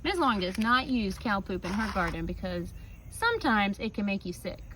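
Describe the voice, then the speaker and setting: A woman reading a picture book aloud like a teacher, with casual asides and expressive, drawn-out emphasis on key words. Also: medium pitch, a little hiss or hum. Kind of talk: children's story read-aloud with casual asides.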